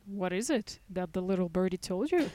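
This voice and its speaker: A woman's voice: lowish voice, expressive, normal speed, dark tone, dry recording. A woman from Russia, a native Russian speaker, talking as an English-teacher guest, modest and thoughtful, laughing often. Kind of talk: casual interview chat.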